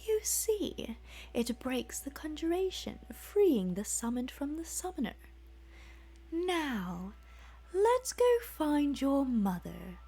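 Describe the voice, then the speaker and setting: A woman voicing a cold, mocking male Dremora demon with a put-on British accent, speaking softly and half-whispered. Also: high-pitched, sing-song, slow, voice pushed up, full character voice. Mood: gloating.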